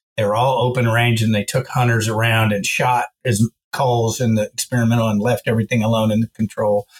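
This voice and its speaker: A man with a Texan accent talks at a fairly quick pace and medium pitch, somewhat breathy, monotone and flat, at very even loudness, in a dry, close sound with no echo. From Texas, hill country. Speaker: wildlife biologist. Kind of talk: interview.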